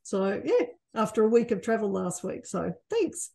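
A woman's voice: medium pitch, very animated, moderate pace, vocal fry, warm tone. A woman co-hosting a podcast, chatting casually with many fillers. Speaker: podcast co-host. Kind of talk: casual chat.

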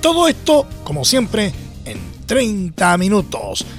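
A man's voice: high voice, huge pitch swings, takes it slowly. A man with a Chilean accent presenting sports news as a radio host. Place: radio studio. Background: faint music.

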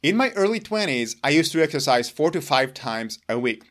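A man whose first language is Hebrew talks straight to the camera about his own routine. His voice sits a little higher than most men's. He is earnest and deliberate, leaning on key words for emphasis. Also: sing-song, fairly bright tone. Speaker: longevity vlogger. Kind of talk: explaining personal routine to camera.

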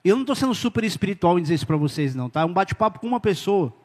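A man's voice: sits high, sing-song, racing, big-room sound. A man preaching an informal sermon in a conversational way, talking directly to his listeners.

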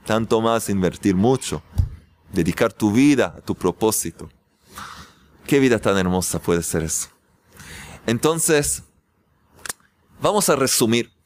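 A man teaching a spiritual class, telling stories and acting out shouted scenes, repeating key phrases for emphasis. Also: on the low side, unhurried, pauses often, dry recording. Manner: animated storytelling, acts out shouted scenes. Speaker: religious teacher.

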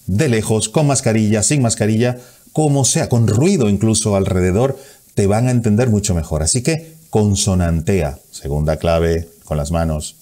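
A man coaching viewers on speaking clearly, lively, stressing consonants and sometimes slowing to demonstrate. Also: lowish voice. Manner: energetic, acts out examples with hands. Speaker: communication coach. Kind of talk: tips video to camera.

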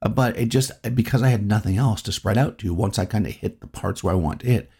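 This middle-aged New England man hosts his own podcast, speaking fast in a lowish, dark voice with a breathy edge. His solo talk is reflective and rambling, circling back on itself.

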